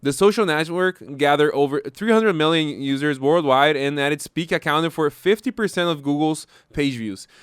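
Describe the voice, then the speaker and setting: A man's voice: fairly high pitch, fairly bright tone, clean tone, dry recording, clean studio sound. A man with a Brazilian Portuguese accent hosting a podcast, asking enthusiastic, rambling questions full of likes and restarts. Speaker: podcast host. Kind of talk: podcast interview.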